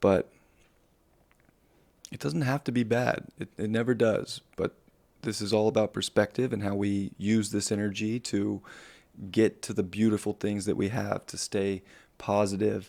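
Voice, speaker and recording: A man uses a quiet, raspy, put-on character voice at a fairly low pitch. He keeps a moderate pace with long, frequent pauses. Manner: quiet, hushed talking.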